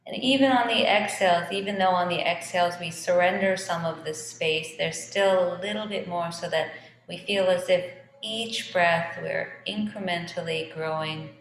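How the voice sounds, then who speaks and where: A woman teaching yoga, leading a guided meditation in a gentle, unhurried, soothing manner. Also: lowish voice, slight background noise. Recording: echoey reverberant room with music behind.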